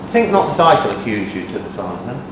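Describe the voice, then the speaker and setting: A man's voice: on the low side, sing-song, fairly quick, voice pushed down. A man voicing Jesus as a grave, authoritative grown man, declaiming solemnly and emphatically in a dramatic scripture recitation. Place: conference hall. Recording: echoey hall from far off, noisy.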